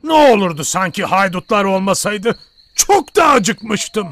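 An eager, hungry dog, voiced by an actor in a children's cartoon tale. The creaky voice moves expressively across its range. Faint music sits behind the dry recording. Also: mid-range voice, very animated, measured pace, fairly bright tone. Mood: disappointed. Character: hungry dog in runaway animal band.

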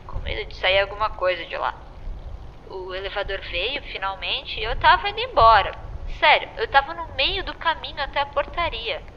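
A woman's voice: a little high, pushed and bright, big-room sound, muffled recording, slight background noise. An actress playing a worried young woman who rambles nervously.

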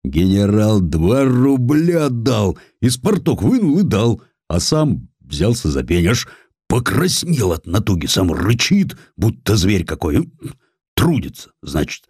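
A man's voice: on the low side, big pitch swings, measured pace, darkish tone, slightly rough, no echo, clean studio sound, exaggerated voice. A man voicing an old village coachman who tells a tale in homely, wondering, rustic phrases for an audiobook. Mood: folksy wonder. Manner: colloquial rustic storytelling in short homely phrases. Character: old village coachman, folksy, wondering, plain-spoken male storyteller.

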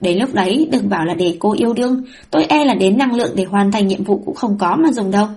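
A woman's voice: mid-range voice, fast talker, darkish tone, slightly rough. A woman voicing a fussy male system spirit that nags the heroine about her mission, in an audiobook reading. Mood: nagging. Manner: nagging, pleading.

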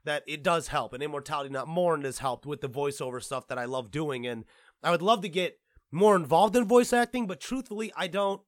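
A man hosting a podcast, talking in a casual, rambling and excitable way, tripping over his words and swearing now and then. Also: on the high side, brisk, no echo, clean studio sound. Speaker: podcast host and producer.

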